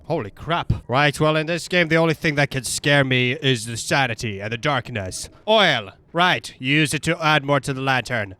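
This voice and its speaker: A man giving casual gameplay commentary in a rambling, irreverent, animated way. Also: mid-range voice, moderate pace, few pauses, smooth. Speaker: video game streamer.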